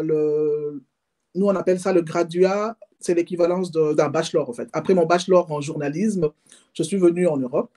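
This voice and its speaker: A woman with a Congolese accent speaks as a guest in a casual interview. Her voice is soft-edged and mellow. She explains her background informally, pausing to find words and correcting herself. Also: sits low. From Democratic Republic of the Congo. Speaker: interview guest, handbag maker. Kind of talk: casual autobiographical interview talk.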